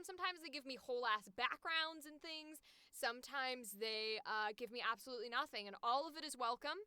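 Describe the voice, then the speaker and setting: A woman with a naturally high, distinctive voice, chatting casually and playfully as the host of a voice acting livestream. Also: pushed and bright, clear, resonant tone, no echo. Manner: playful, giggly, self-mocking, chatty. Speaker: voice actor hosting a livestream series. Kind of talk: casual improvised livestream chat.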